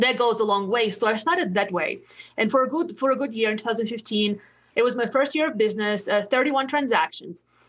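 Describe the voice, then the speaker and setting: A fairly high-pitched woman with a Latvian accent, at a fairly quick pace and very even loudness. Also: ordinary pitch variation. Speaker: real estate agent. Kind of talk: casual interview chat. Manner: energetic, enthusiastic.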